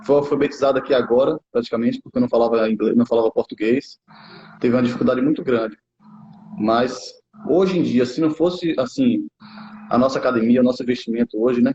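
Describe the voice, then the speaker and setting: A Brazilian man in his thirties chats about his football career in a loose, halting way, often restarting phrases and tacking on tag questions. He speaks at a middle pitch. The recording is muffled and lo-fi. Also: steady tone, warm tone. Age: 30s. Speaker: youth football coach, former player. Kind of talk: casual interview talk. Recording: muffled lo-fi sound.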